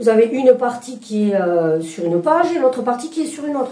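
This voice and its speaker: Noticeable background noise sits behind a woman whose high voice swings very widely in pitch at a moderate pace. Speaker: craft vlogger. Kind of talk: casual chat. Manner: halting; loud.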